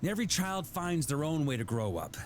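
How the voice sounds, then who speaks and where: Jovial knight commander, hugely animated. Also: male voice, fairly high pitch, a little fast. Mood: thoughtful. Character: jovial, roguish middle-aged male knight grandmaster, worldly and warm-hearted. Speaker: game character giving voice lines. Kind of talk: scripted video game voice acting.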